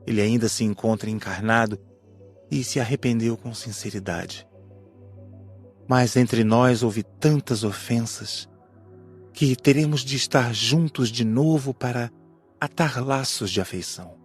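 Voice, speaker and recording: A man playing a repentant male spirit in an audiobook, speaking husky, earnest and sober about his past. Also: medium pitch, a little slow, soft background music. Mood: sober, reflective. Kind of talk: dramatized audiobook character reading.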